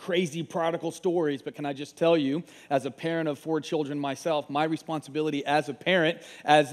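A man is speaking. His pace is fairly quick. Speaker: pastor. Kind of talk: sermon. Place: church. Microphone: headset.

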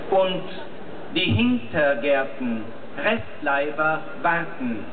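At a very slow pace, a man speaks over noticeable background noise. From Austria. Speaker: poet. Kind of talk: poetry reading in German at a festival. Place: stage.

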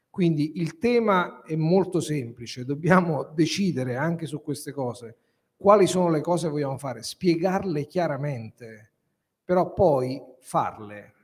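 A man at a fairly high pitch, with lively intonation and a fairly slow pace, against a quiet background. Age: 50s. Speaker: telecom executive; guest. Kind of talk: panel discussion. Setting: stage with audience. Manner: animated. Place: stage. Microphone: handheld.

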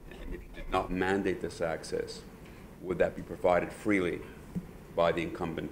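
Big swings in loudness mark a man's speech at a moderate pace with long, frequent pauses. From Canada. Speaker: government official. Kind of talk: panel discussion. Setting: conference room.

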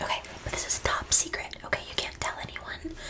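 A woman whispers quietly at a fairly quick pace. Loud noise fills the background. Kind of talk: scripted roleplay talk to viewer. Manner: hushed secretive whisper. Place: home room. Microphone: phone near.

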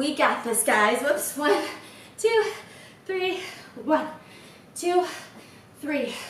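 Very slowly, a woman speaks in a high pitch, with light background noise and audible room echo. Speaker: fitness instructor. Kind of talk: workout instruction and counting. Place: gym. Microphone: camera far.

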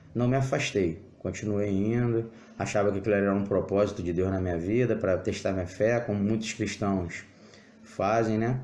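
A man's fairly low voice, dark and mellow in tone, at a fairly quick pace, with audible room echo. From Brazil. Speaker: youtuber. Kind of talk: personal testimony vlog. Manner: halting, many fillers. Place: home room. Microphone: phone near.

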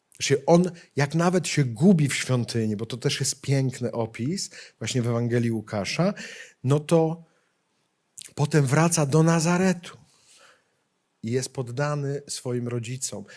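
With a fairly high pitch and ordinary pitch variation, a man talks at a fairly slow pace, leaving long, frequent pauses. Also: quiet background. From Poland, Ostrowiec Świętokrzyski; Poland. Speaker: Dominican friar giving a Bible course talk; preacher giving a Bible course talk. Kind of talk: conference talk on the Bible. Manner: conversational, informal. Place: hall. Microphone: handheld.

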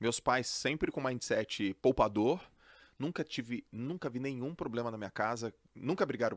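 A man's medium-pitched voice with lively intonation and a moderate pace, the sound dry with no echo, against a quiet background. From Brazil. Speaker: finance podcaster. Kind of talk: casual chat. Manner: halting. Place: studio. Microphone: studio mic.

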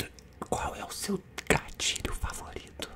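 Soft-spoken and at a fairly slow pace, the voice sits under loud background noise. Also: man. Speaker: ASMR creator interviewing his partner. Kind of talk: casual interview questions. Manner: soft close-mic ASMR voice. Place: home room. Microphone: studio mic.

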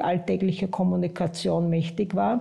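Very slowly, a woman talks at medium pitch with ordinary pitch variation. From southern Burgenland, Austria. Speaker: former teacher, school inspector and regional politician. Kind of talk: interview answer. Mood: reflective, calm recollection.

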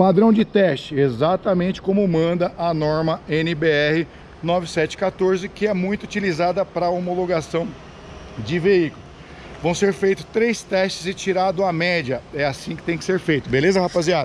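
Light background noise accompanies a man speaking at a moderate pace, his high pitch showing ordinary variation. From Brazil. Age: 40s. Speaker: exhaust company owner. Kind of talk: product demo video. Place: street. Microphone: phone near.

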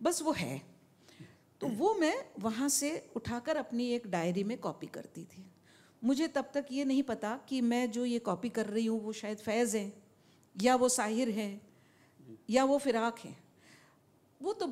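A woman's high-pitched voice with a Bengali accent, fairly slow and broken by long, frequent pauses, with ordinary pitch variation. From Rajasthan, India (Jodhpur); Rajasthan, India. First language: Bengali (speaking Hindi). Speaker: poet. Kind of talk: interview conversation. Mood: reflective, animated storytelling. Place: stage. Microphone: handheld.

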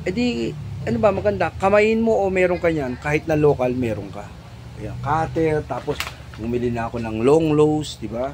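A man speaks at a moderate pace with very wide pitch swings. Noticeable background noise can be heard behind him. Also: fairly high pitch for a man. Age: old. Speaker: vlogger; vlogger shopping. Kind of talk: casual vlog narration while shopping. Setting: walking through a store. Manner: rambling, repetitive. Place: shop. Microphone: phone near.

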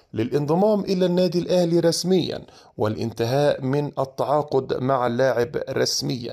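Lively in intonation, a man speaks at a fairly high pitch with a dark, mellow tone in a very clean recording with a silent background. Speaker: football news YouTuber. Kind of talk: news roundup monologue. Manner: animated.

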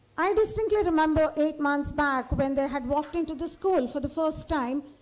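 This is a woman speaking at a high pitch. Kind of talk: welcome speech. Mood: warm, cheerful. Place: hall. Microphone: podium.

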